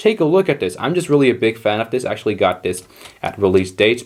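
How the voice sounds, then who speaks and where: This very clean recording has a silent background. In it, a man talks with a non-native accent. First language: not English. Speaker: LEGO YouTuber. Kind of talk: tutorial. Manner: animated.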